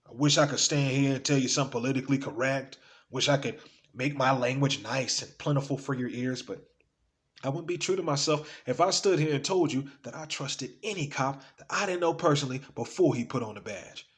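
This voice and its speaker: A man performing a dramatic monologue as a bitter, frank young Black American man, speaking emphatically and conversationally with deliberate pauses. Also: mid-range voice, close to an everyday voice. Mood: defiant, frank. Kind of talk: dramatic theatrical audition monologue.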